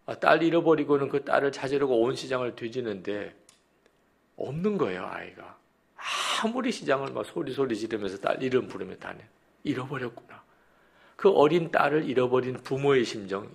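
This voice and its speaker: Gravelly, husky-voiced male pastor preaching. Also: mid-range voice. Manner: retells stories vividly, addresses the congregation directly. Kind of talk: sermon with storytelling. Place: church, dawn prayer meeting.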